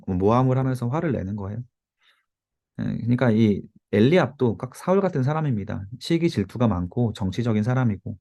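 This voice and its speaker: A man's voice: on the low side, dark tone. A man teaching a Bible study to a youth group, explaining and exhorting while giving note-taking cues.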